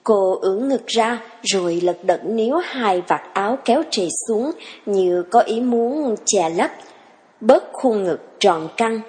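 A woman narrating a dramatic story reading, measured and smooth. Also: medium pitch, lively intonation, darkish tone. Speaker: story reader.

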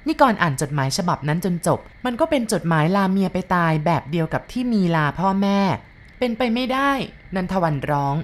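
A woman narrating a ghost story in an expressive storytelling manner. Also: on the low side, fast talker, few pauses.

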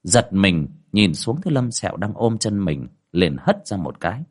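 Guy telling a ghost story, lively up-and-down voice, bit husky. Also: lowish voice, moderate pace. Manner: vivid, colloquial storytelling. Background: faint music.

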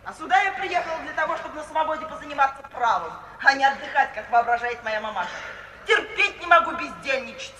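An actress playing a brisk, self-assured, unsentimental young woman in a 1950s radio play, speaking decisively and matter-of-factly. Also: high voice, lively intonation, sharp tone. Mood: confident, emphatic. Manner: matter-of-fact, decisive, bluntly insistent. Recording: old hissy radio recording, roomy and distant.

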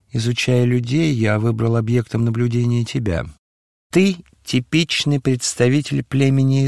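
A man voicing a mysterious, calm eastern stranger who speaks in riddles with quiet mockery. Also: medium pitch, creaky, no echo, studio quality, voice pushed up. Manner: calm, mocking, detached.

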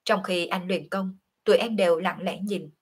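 A woman voicing a calm young woman who confides in her lover, in an audiobook reading. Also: fairly low pitch, moderate pace, husky. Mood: confiding.

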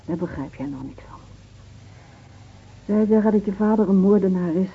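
A woman's voice: mid-range voice, moderate pace, breathy edge. An actress playing a bitter, weary middle-aged village mother in a radio play, curt and fatalistic in manner. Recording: dull, muffled old radio play recording.

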